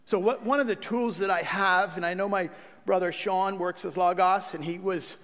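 A man's voice: sits high, steady tone, moderate pace. A man speaking as pastor to his congregation, welcoming them and leading a prayer. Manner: warm pastoral address with fillers and restarts. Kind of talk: church sermon introduction and prayer. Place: church sanctuary. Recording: church hall reverb.

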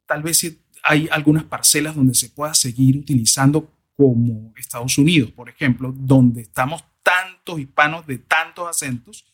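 Guy rambling on excitedly in an interview, kinda high voice, lots of "o sea". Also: normal speed, few pauses, slightly rough. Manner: animated, discursive, frequent "o sea" asides. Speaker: guest, voice and diction expert. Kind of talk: conversational interview answers. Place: lives in the United States.

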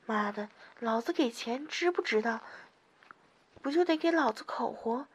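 A woman voicing a rough, bullying middle-aged man who barks coarse orders in an adult audio story. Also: on the high side, expressive, a little slow, a little hiss or hum. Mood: gruff, demanding.

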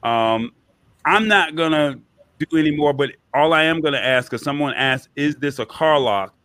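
A man's voice: medium pitch, a bit bright, no echo. A man hosting an interview, chatting in an enthusiastic, loose and slangy way. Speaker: show host. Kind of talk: casual interview chat.

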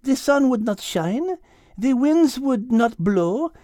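Man voicing a high, gentle French lady cat. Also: sing-song, slow pace, no echo, studio quality, exaggerated voice. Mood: patient, teaching. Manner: patient explaining, sprinkles in French words. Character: brilliant, gentle female French cat who loves teaching. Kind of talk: children's animal story.

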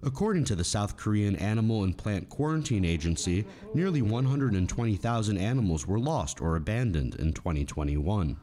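A man's voice: on the low side, lively intonation, brisk, hardly any pauses, dark tone. A man reporting a news story in a scripted reporter's cadence.

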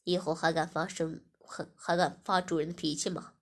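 A woman voicing a domineering, teasing man in an audio story, speaking low and mockingly. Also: level tone, normal speed.

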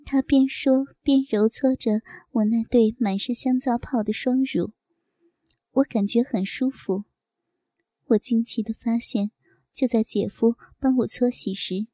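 Woman storyteller, higher mellow voice, intimate first-person reading. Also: a little slow, dry recording, clean studio sound.

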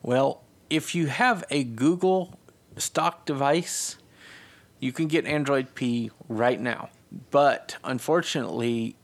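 A man co-hosting a podcast, explaining features at length in a relaxed, casual way and leading the discussion. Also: mid-range voice. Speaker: podcast co-host. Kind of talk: casual tech chat.

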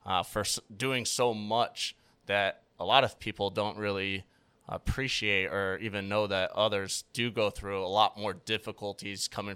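A man with a fairly low, smooth, clean voice hosts a relaxed interview. He asks loose, rambling questions, filled with "uh" and "um". The sound is close and dry, with no room echo. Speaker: podcast host. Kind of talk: casual interview.

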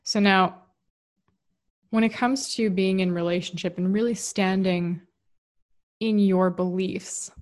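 A woman's voice: medium pitch, steady tone, slow, pauses often, a little mellow. A woman giving a candid, rambling casual monologue about relationships, often restarting her sentences. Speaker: relationship and spirituality talker.

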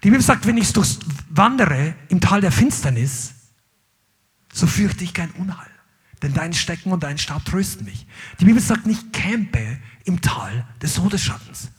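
Guy preaching a sermon, high bright voice, kinda husky, loud bits then quiet asides. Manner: emphatic, swings between loud calls and low asides. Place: church hall with live congregation.

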